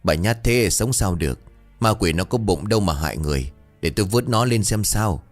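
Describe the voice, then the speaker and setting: A man's voice: low-pitched, lively intonation, a little fast, faint music behind. A man doing a stubborn old boatman. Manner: gruff, curt, resolute.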